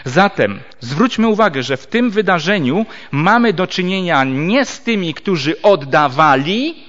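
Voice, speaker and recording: A man preaching a Bible teaching sermon. He explains step by step and reads scripture aloud with measured pauses. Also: sits high, very animated, a bit bright. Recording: dull lo-fi recording.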